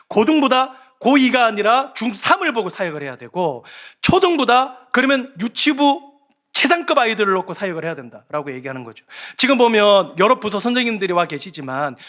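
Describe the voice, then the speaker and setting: Animated male pastor preaching. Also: extremely high pitch. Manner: animated, acts out children's voices and shouts. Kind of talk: sermon with storytelling. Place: church sanctuary.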